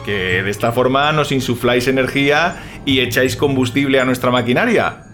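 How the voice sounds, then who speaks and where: A man's voice: mid-range voice, brisk, fairly bright tone, faint music behind. A man co-hosting a horror audio show with cheeky, colloquial banter.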